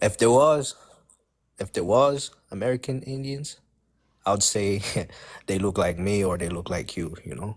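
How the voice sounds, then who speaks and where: With a non-native accent, this man speaks at a moderate pace in a fairly low pitch, his lively intonation broken by long, frequent pauses. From Congo. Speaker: livestream caller. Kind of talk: casual chat. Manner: halting, hesitant with fillers.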